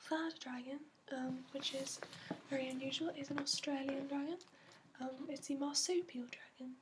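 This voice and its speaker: A woman with a high, soft voice that often slips toward a whisper, performing an ASMR roleplay in a put-on accent. She explains things gently and haltingly, pausing often like a patient guide. A noticeable faint hiss sits under the recording. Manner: gentle, halting, unhurried explaining with many pauses. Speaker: ASMR roleplay host playing a dragon expert.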